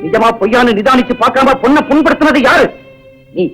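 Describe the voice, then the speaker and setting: A man's voice: extremely high pitch, fairly quick, low-quality recording. An actor playing a hot-tempered, self-accusing man in a 1980s film, speaking in grave, reproachful tones over film music. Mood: bitter reproach. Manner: shouting then grave, reproachful speech. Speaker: repentant villain in a film. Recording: film soundtrack with music behind.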